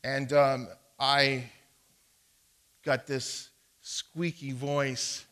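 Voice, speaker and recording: A man's voice: medium pitch, little pitch movement, fairly bright tone, clean tone. A man preaching a sermon as a pastor, telling a personal story in a folksy way and reading out Bible verses. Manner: storytelling, folksy, deliberate with repeated verse references.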